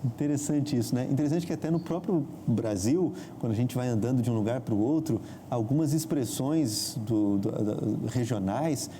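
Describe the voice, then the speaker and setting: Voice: mid-range voice, normal speed, hardly any pauses, warm tone, slight background noise. A Brazilian talk show host at a school studio who asks the guests questions and keeps them talking with frequent encouraging "uhum"s.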